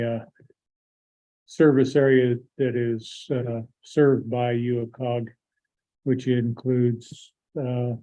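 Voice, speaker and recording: A hoarse man chairing a county board meeting, explaining an agenda item haltingly with many filler pauses. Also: medium pitch, mellow. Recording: tinny phone-like audio.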